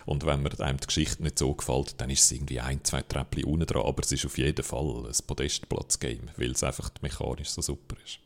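A man's voice: rumbling low, quick pace, creaky, few pauses. A man with a Swiss German accent, co-hosting a casual game podcast and arguing his picks with lots of fillers. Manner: animated, opinionated, many fillers. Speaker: podcast co-host.

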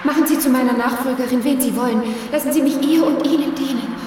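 Woman playing a melodramatic secretary begging her boss, high, roomy old radio-play sound. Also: fairly even intonation, quick pace, far from the mic, over music, close to an everyday voice. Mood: pleading. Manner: pleading, melodramatic. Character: devoted, despairing woman secretary. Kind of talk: 1950s radio play acting. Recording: roomy reverberant studio, voice off-mic.

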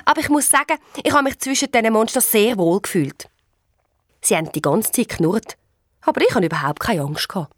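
A woman with a Swiss German accent reading a children's story aloud, lively and expressive. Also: on the high side, brisk, no echo, studio quality.

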